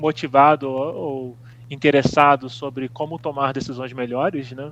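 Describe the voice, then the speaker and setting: With a fairly high pitch, this man keeps to a moderate speed. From Brazil, Rio de Janeiro. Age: 30s. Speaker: data analytics company CEO. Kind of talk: interview. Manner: hesitant, many fillers.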